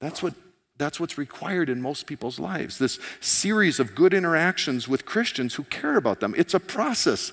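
Recorded very cleanly against a silent background, a man with a fairly high pitch and vocal fry speaks at a moderate pace, his pitch swinging very widely. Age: 60s. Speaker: pastor. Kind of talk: sermon.

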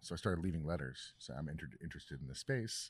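A man with a Canadian accent at a very fast pace, in a very clean recording with a silent background. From British Columbia, Canada (Vancouver Island). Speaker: chef. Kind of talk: casual chat.

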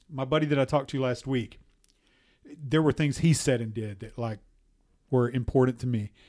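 With an American accent, a man speaks in a dark, mellow tone with fairly even intonation at a fairly quick pace, broken by long, frequent pauses, on a very clean recording with a silent background. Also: medium pitch for a man. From Texas, Dallas area. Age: 50s. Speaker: podcast host. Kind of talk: interview. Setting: studio.

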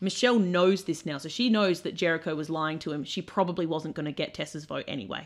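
At a very fast pace and with ordinary pitch variation, the speaker comes through in a very clean recording with a silent background. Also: woman, fairly low pitch for a woman. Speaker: podcast co-host. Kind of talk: casual chat.

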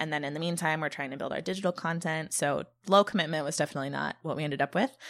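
On a very clean recording with a silent background, a woman with an American accent talks very fast at a very deep, low pitch. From US West (California, Lake Tahoe). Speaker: magazine editor. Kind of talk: interview.

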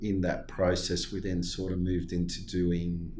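A man speaks in a very deep, low voice with a dark, mellow tone, somewhat breathy, and audible room echo around him. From Australia, Brisbane; born in Leeds, England. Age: 50s. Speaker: finance company co-founder. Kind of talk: interview.

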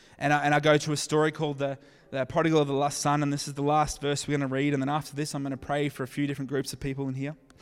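This man talks at a very fast pace with an Australian accent. His fairly high pitch stays monotone, with flat intonation. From Queensland, Australia. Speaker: pastor. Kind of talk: sermon. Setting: church. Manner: halting.

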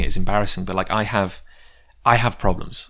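In a very clean recording with a silent background, a man with a fairly low pitch and vocal fry talks at a fairly quick pace with lively intonation. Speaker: comic publisher and podcaster. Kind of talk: personal monologue. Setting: home kitchen. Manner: halting; rising pitch with emotion.

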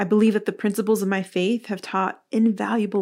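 On a very clean recording with a silent background, a woman with a West Coast US accent talks very fast in a monotone, flat way with vocal fry. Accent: General American, West Coast. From Los Angeles, California. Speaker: podcast host. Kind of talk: scripted monologue.

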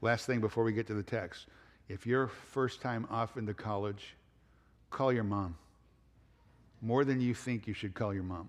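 Against a quiet background, a man speaks at a fairly low pitch with fairly even intonation. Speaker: pastor. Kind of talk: sermon. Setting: church. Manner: fast.

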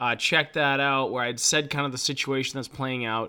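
On a very clean recording with a silent background, a man with a Canadian Prairies accent speaks at a moderate pace with a medium pitch and a bright, sharp tone. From Canada, Winnipeg. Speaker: sports podcast host. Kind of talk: casual monologue. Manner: animated.

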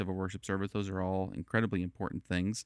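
Here a man speaks with an American accent at a fairly low pitch. The recording is very clean, with a silent background. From Chicago area, US Midwest. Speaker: church music director. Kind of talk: casual chat. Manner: halting.

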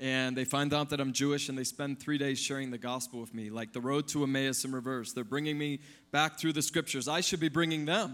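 In a Chicago accent, a man talks at a fairly quick pace with fairly even intonation, recorded very cleanly against a silent background. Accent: Chicago American. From Chicago, US Midwest. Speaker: guest preacher. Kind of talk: sermon.

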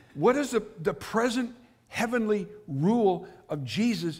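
Speaking at a fairly slow pace, a man's voice makes very wide pitch swings amid audible room echo. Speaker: pastor. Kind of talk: sermon.

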